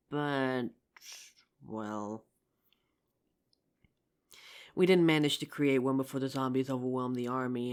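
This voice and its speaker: Voice actor doing a regretful female zombie survivor, soft-hearted and confessional, halting delivery, asmr audio drama. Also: mid-range voice, clean tone, close to an everyday voice. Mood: apologetic, regretful. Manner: hesitant, earnest, confessional, with pauses and sighs. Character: injured female zombie apocalypse survivor, regretful, tender old friend. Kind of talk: ASMR audio roleplay, intimate scripted drama.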